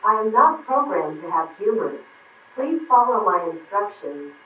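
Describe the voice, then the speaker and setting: A synthetic female voice speaking for a security robot dog in a too-smooth android manner, calm, polite and formal, heard through a tinny speaker from far off in an echoey space. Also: mid-range voice, unhurried, slight background noise. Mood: firm polite. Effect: too-smooth android text-to-speech voice.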